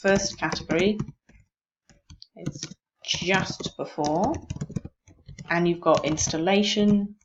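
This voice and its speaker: Slow, low-voiced woman teaching word stress. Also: background noise. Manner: slow, thinking aloud, self-correcting. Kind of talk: explaining word stress over a screen recording. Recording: dull lo-fi mic with faint keyboard clicks.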